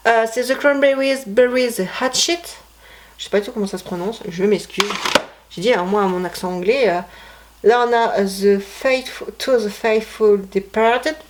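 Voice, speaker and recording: A woman's voice: fairly high pitch, normal speed, noisy background. A woman vlogger chatting casually about her CD collection, rambling and correcting herself with many fillers. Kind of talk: casual chat.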